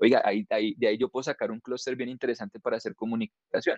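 Against a quiet background, a man with an unremarkable speaking voice talks at medium pitch with ordinary pitch variation, the sound dry and close with no echo. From Colombia, Valle del Cauca. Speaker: marketing professor. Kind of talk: interview conversation.

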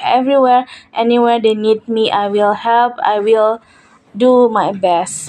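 In an Indonesian accent, a woman talks at a fairly high pitch with fairly even intonation. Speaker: podcast host. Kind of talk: solo podcast monologue. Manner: halting.

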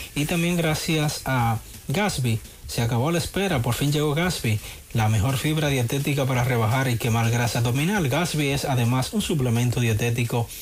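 Medium-pitched male speech with audible room echo and noticeable background noise. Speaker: regional news correspondent. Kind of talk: news reading.

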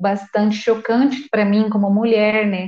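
A woman with a dark, mellow tone speaks at a medium pitch and a fairly slow pace. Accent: Colombian. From Colombia. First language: Spanish (speaking Portuguese). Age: 30s. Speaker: psychologist. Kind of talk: casual interview.

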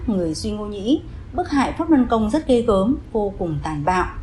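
A woman talks at a moderate pace with a fairly high pitch and very wide pitch swings. Noticeable background noise is present. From Hanoi, Vietnam. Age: 40s. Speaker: panel guest, citizen commentator. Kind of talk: panel discussion.

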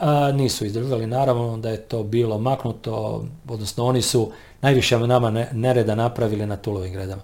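Speaking at a fairly quick pace, a man uses an ordinary speaking voice at medium pitch with fairly even intonation. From Croatia, Ogulin (Gorski kotar). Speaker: war veteran. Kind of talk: interview. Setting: studio.

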